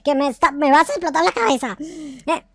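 An excitable young noob boy in a Minecraft roleplay, played by a man. The voice is very high and close, with no room sound. He exclaims, swears and repeats words in bursts. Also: a little fast, vocal fry, no room sound, heavily acted. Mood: confused. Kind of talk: improvised game roleplay.

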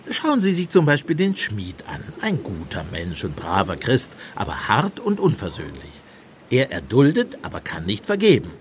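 An actor playing a gentle, shrewd priest-detective in a German radio play, speaking in a musing, deliberate, softly pointed way. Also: male voice, lowish voice, huge pitch swings, slight background noise. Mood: grave, pointed. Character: gentle, shrewd priest-detective, mild-mannered, quietly probing.

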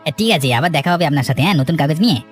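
A man acting a cocky, fast-talking cartoon swindler. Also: fairly high pitch, animated, faint music behind, close to an everyday voice. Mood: boastful, wheedling. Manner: boastful, wheedling. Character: cocky, greedy village swindler, smooth-talking and treacherous. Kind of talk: dramatized cartoon villain dialogue.

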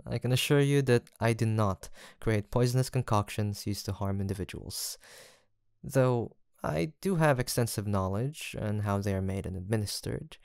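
A man playing a gentle, earnest apothecary in a fantasy audio roleplay, soft-spoken, formal and courteous, with some hesitation. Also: fairly low pitch, normal speed, gravelly, clean tone, dry recording, clean studio sound. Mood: flustered, reassuring. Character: gentle, earnest, guilt-haunted male apothecary in fantasy village. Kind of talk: soft, sweet roleplay acting addressed to the listener.

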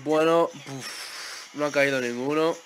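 A young man with a Spain Spanish accent giving excitable live gameplay commentary, repeating words in quick bursts as he plays. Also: fairly high pitch, a little hiss or hum. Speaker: gaming YouTuber.

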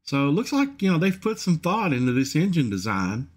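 A man hosting a repair channel, giving a casual off-the-cuff update in a halting, folksy way. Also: on the high side, sing-song, slightly rough. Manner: halting, hesitant, folksy phrasing. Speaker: host of an engine repair channel.

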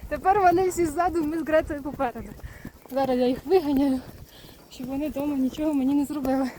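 A woman's voice: high-pitched, fairly even intonation, quick pace. A woman riding a horse outdoors in the countryside, calling out to her horses, urging them on and soothing them as she vlogs. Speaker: horse owner vlogger. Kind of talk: casual vlog narration while riding. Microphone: camera carried while riding. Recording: loud outdoor noise, hoofbeats. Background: loud hoofbeats and outdoor noise.

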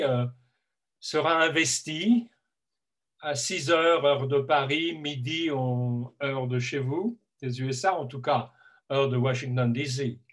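A man in his fifties hosting a casual chat on a video call from home, hesitant with many fillers and given to playful teasing. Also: a little high. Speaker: host. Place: home room, indoors.

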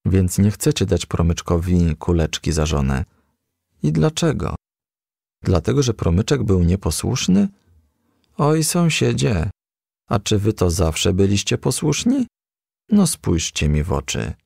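A man voicing a kind, frank female advisor in a storybook, coaxing and gently admonishing. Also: deep voice, big pitch swings, a little slow, vocal fry, dry recording, studio quality, heavily acted. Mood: frank, chiding.

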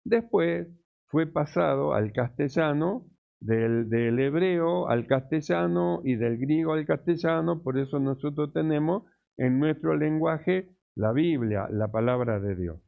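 A man preaching a sermon as pastor, teaching slowly and deliberately, repeating key words. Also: a little high, creaky, phone-quality sound. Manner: slow, deliberate teaching with repetitions.

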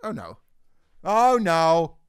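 A man's voice: fairly high pitch, wildly swooping pitch, drawn-out words, clear, resonant tone, no room sound, studio quality. A young man whose first language is Swedish, from Finland, casually chatting and joking while playing a VR game with a friend. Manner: joking, swears, laughs a lot. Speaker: gaming channel host. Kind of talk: casual co-op gameplay chat.

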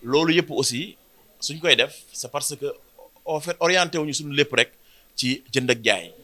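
A man's voice: on the high side, pushed and bright. Senegalese man at a press conference. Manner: switches between French and Wolof, measured and explanatory. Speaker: event organizer. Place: indoor press room before a banner. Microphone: cluster of handheld press mics.

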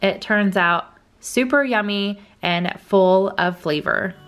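Young woman, home-kitchen cooking vlogger, bright and chatty, close to the camera. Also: mid-range voice, slow, soft background music. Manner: chatty, upbeat, addresses viewers as y'all and guys. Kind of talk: casual cooking vlog. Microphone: camera at close range.

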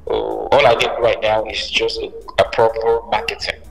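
A man's voice: fairly low pitch, level tone, moderate pace, creaky, faint music behind. A man speaking as a musician guest in an interview, emphatic and repeating phrases for stress. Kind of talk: interview conversation. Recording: reverberant room with long echo.

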